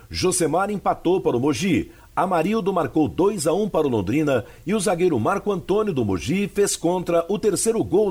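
Brazilian guy narrating sports radio script, husky voice, fairly high and very lively.

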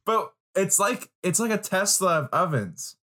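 A man co-hosting a casual podcast, excitable and rambling, often breaking into laughter. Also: high-pitched, measured pace. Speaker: podcast co-host. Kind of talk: casual chat.

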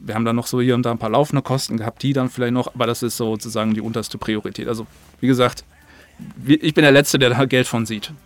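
A man's voice: medium pitch, fairly even intonation, fast talker. A man chatting casually as an interview guest, informal, slangy and a bit rambling. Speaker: interview guest, audio drama maker. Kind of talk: casual chat.

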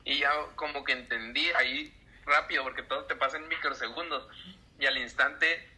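A young Mexican man in his twenties with a very bright, forward voice. He tells stories in a relaxed interview and acts out the people in them. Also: mid-range voice, normal speed, rough recording. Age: 20s. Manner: animated storyteller, acts out voices. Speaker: church musician. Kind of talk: casual interview storytelling.

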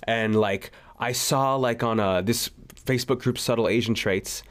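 A man's voice: medium pitch, normal speed, fairly bright tone. A young man talking casually on a group voice call. He rambles and fills his sentences with "like". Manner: rambling, heavy use of "like". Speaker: podcast co-host, producer.

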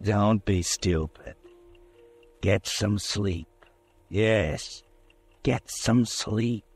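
A man's voice: on the low side, extremely slow, soft background music. A man playing a sardonic, all-knowing radio narrator who taunts a guilty man in old suspense style. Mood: taunting, ominous. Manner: taunting, insinuating. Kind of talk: 1940s radio suspense narration in second person.

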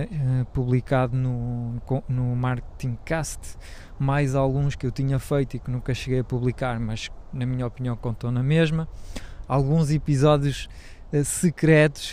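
A podcast host talks through a casual, rambling monologue full of hesitations and fillers. He speaks Portuguese with a French accent in a warm, medium-pitched voice.

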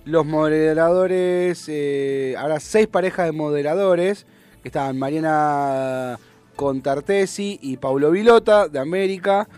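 Rioplatense man, radio host, slightly high voice, halting and argumentative, light music under him. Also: a little mellow, clear, resonant tone. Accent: Rioplatense Spanish. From Buenos Aires province, Argentina. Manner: hesitant, restarts and fillers, argumentative. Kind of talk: casual talk radio chat.

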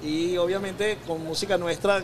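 A man hosts and announces the next segment in a bright, upbeat manner. His voice is a little high for a man. A loud crowd fills the background. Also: steady tone, normal speed. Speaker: podcast host. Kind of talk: live show hosting.

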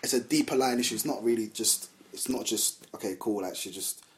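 A man's voice: fairly low pitch, fairly quick, slight background noise. A man with an urban London street accent and slangy roadman speech, co-hosting a podcast with casual banter and debate. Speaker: podcast co-host.

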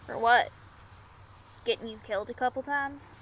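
A woman's voice: a little high, moderate pace, fairly bright tone, a little hiss or hum, natural voice, poor audio. A woman playing a weary, protective young traveller in an audio drama, casual and blunt in delivery. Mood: wry, concerned. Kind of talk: naturalistic audio drama acting.

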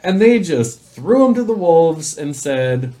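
A man's voice: a little high, very animated, slow, a crowd in the background. A man in his thirties hosting a casual chat over drinks, ranting with emphatic repetition. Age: 30s. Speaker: host.

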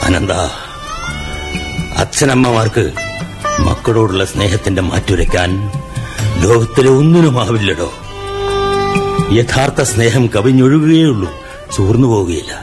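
An actor playing a dignified older father who speaks in measured, sermon-like lines about a parent's love, in a radio play. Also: lowish voice. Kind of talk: 1990s-style radio drama acting. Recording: radio play with music bed.

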